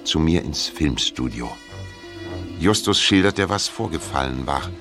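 Deep northern German narrator over music. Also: male voice, lively intonation, measured pace, full character voice. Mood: measured. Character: male film director narrating the mystery. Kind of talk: scripted audio drama narration.

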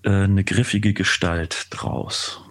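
A man's voice: sits low, slow. A man talking casually as a composer being interviewed, explaining things demonstratively and acting out his thoughts. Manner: animated explaining, acts out thoughts, hums motifs. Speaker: composer, podcast guest.

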